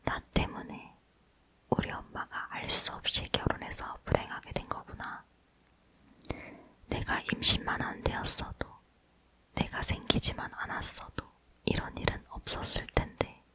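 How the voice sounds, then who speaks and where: A woman's voice: measured pace, long pauses. A woman reading a book aloud as ASMR, leaning in to whisper closely and breathily into a near microphone. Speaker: ASMR reader.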